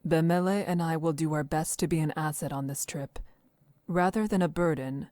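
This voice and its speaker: A woman's voice: low-pitched, fairly even intonation, moderate pace, darkish tone, no room sound, clean studio sound, lightly acted. An actress playing an earnest, protective woman traveler in a visual novel, speaking politely and resolutely.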